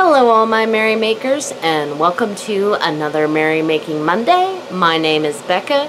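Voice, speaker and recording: A woman speaks at a moderate pace with very wide pitch swings over noticeable background noise. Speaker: craft tutorial host. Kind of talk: casual vlog chat. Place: home room. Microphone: phone near.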